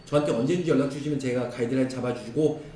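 A hoarse man in his thirties runs through insurance coverage in brisk, clipped phrases. He sits back from the mic in an echoey room. A faint hiss stays under his voice. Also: mid-range voice, warm tone, far from the mic. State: hoarse, strained throat. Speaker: insurance product explainer. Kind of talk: screen-share product walkthrough. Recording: roomy echo, voice off-mic with faint noise.

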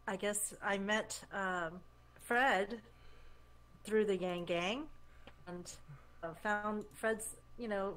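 Woman, from Taiwan, Mandarin native, hesitant, soft-spoken, faint background noise. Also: medium pitch. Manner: hesitant, many ums, soft. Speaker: podcast guest. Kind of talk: casual interview talk.

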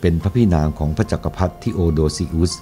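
A man reading the part of a humble male slave who speaks slowly, formally and with deference. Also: low voice, dark tone, soft background music, natural voice. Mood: explaining.

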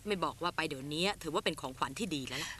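A woman's voice: low-pitched, animated, rapid-fire, fairly bright tone, slight background noise. A middle-aged woman dubbing a Thai TV drama, playing a blunt, protective mother who scolds her daughter. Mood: scolding. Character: protective, sharp-tongued mother.

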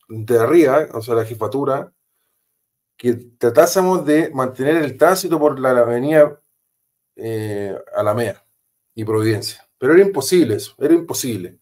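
A man's voice: medium pitch, a little mellow. A man with a Chilean accent, a former police officer, telling a story as an interview guest, emphatic and repetitive with casual slang.

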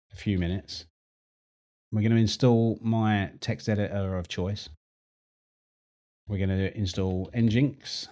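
A middle-aged man hosting a screen-recorded tech tutorial, chatty and relaxed, repeating words as he works. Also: fairly low pitch.

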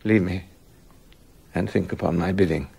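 A man's voice: sits low, fairly even intonation, normal speed, creaky, a little mellow, husky, heavily acted. An older actor playing a jealous, tyrannical king in a radio drama, commanding and stern. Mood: resolute. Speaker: King Leontes.

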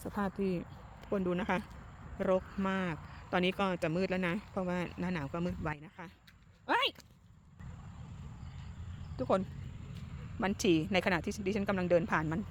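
A woman's voice: mid-range voice, a little hiss or hum. A middle-aged woman from Thailand hosting a casual garden vlog, chatting to viewers and asking them questions as she walks through her garden outdoors. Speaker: garden vlogger.

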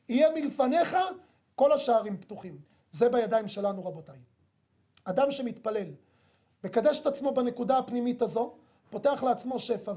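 A man preaching as a rabbi, his voice warm and dark rather than bright. He speaks emphatically and turns often to his listeners with rhetorical questions. The sermon weaves teaching into a story. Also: very high voice.

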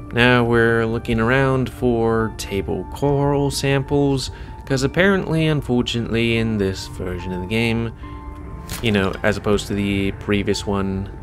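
An American man talks casually through a video game as a let's play host. His pitch moves around in a lively way as he rambles into wry asides, with some game music behind him. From United States. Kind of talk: casual gaming commentary.

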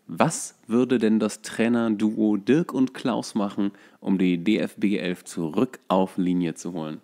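A man's voice: on the low side, steady tone, a little slow, mellow. A man chatting casually and jokingly as a podcast co-host. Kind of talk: casual chat.

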